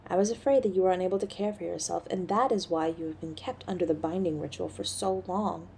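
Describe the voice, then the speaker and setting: A woman playing a haughty, cold succubus mother in an audio drama, speaking formally and with disdain in a husky, creaky voice. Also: lowish voice, fast talker, a little mellow, a little hiss or hum. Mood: stern, grudging. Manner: imperious, formal, disdainful of mortals. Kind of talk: audio roleplay drama acting.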